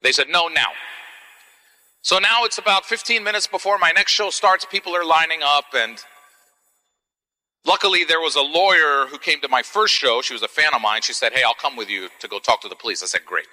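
A man from Palestine hosting a live event, telling a stand-up story in an animated, wry, punchy way. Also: brisk. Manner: animated, wry, punchy delivery with swings in pitch. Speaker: comedian and event host. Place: large church hall. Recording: live hall with long reverb.

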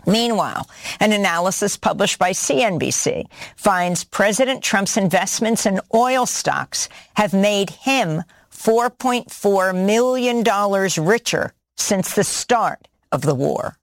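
A woman anchoring a news broadcast, reading scripted headlines in a steady, even-toned way. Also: mid-range voice, slow, dry recording. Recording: dry studio voice.

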